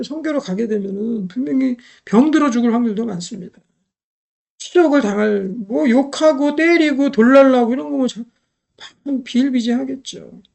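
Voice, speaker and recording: Woman, middle-aged, preacher, sermon, emphatic, repeats phrases, rhetorical questions, gravelly fry. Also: a little high, darkish tone.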